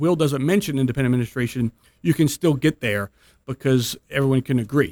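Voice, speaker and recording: Recorded dry and close with no echo, a man with a fairly high voice talks at a very fast pace. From Louisiana (New Orleans). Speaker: estate planning attorney. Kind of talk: radio interview, explaining law. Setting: studio.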